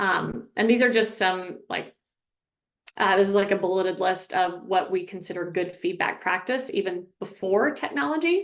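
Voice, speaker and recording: A woman has an unremarkable speaking voice at medium pitch, with ordinary pitch variation. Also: moderate pace. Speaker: academic writing coach and professor. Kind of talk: webinar presentation. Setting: online webinar.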